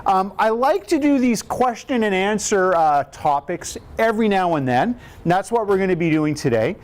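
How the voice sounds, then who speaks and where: A man in his fifties with a booming voice, leading a live question-and-answer talk in a cardiac rehab class, explaining plainly and asking the room rhetorical questions. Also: animated, normal speed. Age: 50s.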